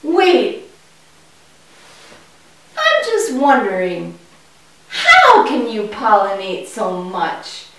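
A woman voicing a curious, naive young boy puppet in a children's show, with wide-eyed, exaggerated and deliberate delivery. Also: on the high side, huge pitch swings, a bit bright, full character voice. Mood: hesitant. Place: indoor puppet stage, far from the mic. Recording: echoey room, distant microphone.

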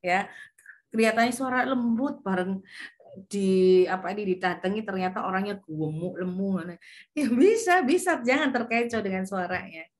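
A woman's voice: mid-range voice, moderate pace. A woman, teaching a public speaking class over a video call and acting out her examples with changing intonation. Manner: demonstrative, shifts intonation to show examples. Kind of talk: online class lecture.

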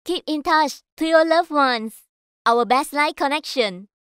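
Slow, high-voiced woman doing scripted voice-over. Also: background noise. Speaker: voice actor. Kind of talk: voice-over demo reading of commercials, narration and announcements.

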